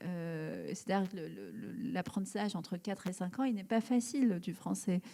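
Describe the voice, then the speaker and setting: A woman's voice: fairly low pitch, animated, normal speed, vocal fry, dark tone. A woman in her thirties from Algeria, a writer answering questions in a live public interview, searching for words with many fillers and restarts. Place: event hall before an audience.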